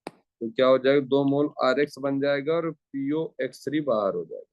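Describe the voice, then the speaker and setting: A man's voice: mid-range voice, moderate pace, darkish tone, no echo, lo-fi sound. A man teaching a chemistry lecture who repeats his phrases and asks rhetorical questions as he talks students through each step. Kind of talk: classroom lecture.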